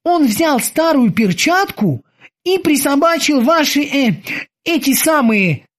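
A woman voicing a timid, eager male bosun who reports in a stiffly formal, drawn-out way. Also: high-pitched, sing-song, voice pushed up, full character voice. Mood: eager telling.

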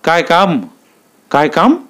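A man's voice: on the high side, lively intonation, takes it slowly, fairly bright tone, clean tone, voice pushed up. A man voicing anxious rural villagers with rustic, worried speech.

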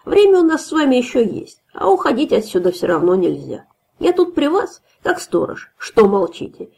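A woman's voice: a little high, very animated, normal speed, vocal fry, warm tone, slightly rough, pitched above the performer's own voice, exaggerated voice. A woman doing a drunk swaggering male guard. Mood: drunk taunting. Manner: slurred, swaggering, taunting. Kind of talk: audiobook fairy tale reading.

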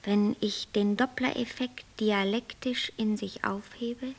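An actress playing a capricious, self-absorbed white angel who creates worlds, airy, flippant and lecturing, in a German radio play. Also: female voice, medium pitch, steady tone, slow pace. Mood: boastful, flighty.

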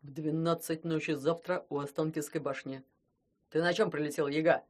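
A man's voice: a little high, steady tone, moderate pace, lightly acted. A man voicing a greedy, cowardly immortal sorcerer who grumbles and threatens. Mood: scheming. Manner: grumbling, menacing.

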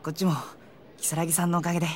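A woman voicing an earnest, nervous high school boy with a husky voice in an audio drama. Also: monotone, quick pace, darkish tone, lightly acted. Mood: sincere, wistful. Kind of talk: Japanese anime-style audio drama acting.

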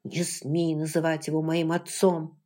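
A woman voicing an angry young man who speaks hoarsely and snarls, in an audiobook reading. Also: low-pitched, level tone, measured pace, warm tone.

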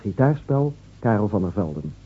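A man reading scripted credits as a radio announcer, formal and deliberate. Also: on the low side, big pitch swings. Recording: muffled old radio recording.

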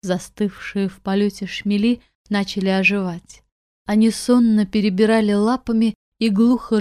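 A woman narrating a fairy-tale audiobook in a calm, measured manner, recorded close to a studio microphone. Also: medium pitch, no room sound. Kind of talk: storybook narration.

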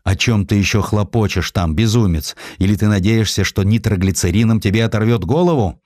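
Imperious, ambitious old patriarch played by a male reader for historical audiobook. Low voice, bitter edge, close dry sound. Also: a little fast, darkish tone, no echo, close to an everyday voice. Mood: bitter, scornful. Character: ambitious imperious old father, industrialist inventor, grandiose and bitter.

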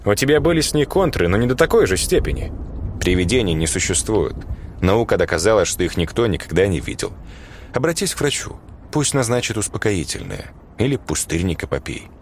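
A man with a fairly low voice and wide pitch swings plays a gruff, crude middle-aged schoolteacher who lectures bluntly and swears a lot. He talks a little fast, and there's slight background noise.

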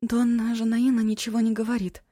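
Woman voicing a high, anxious young woman. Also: monotone, a little fast, dry recording, clean studio sound, natural voice. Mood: pleading. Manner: anxious, cautious, rising to shouts.

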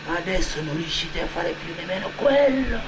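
A man narrating a dramatic theatrical monologue as a stage actor, solemn and emphatic, with long pauses. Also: expressive. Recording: loud hum and rumbling background noise.

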